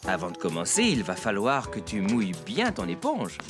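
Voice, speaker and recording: A man playing a patient, kindly father in a French children's cartoon, encouraging and gently instructive. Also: lowish voice, huge pitch swings, normal speed, music in the background.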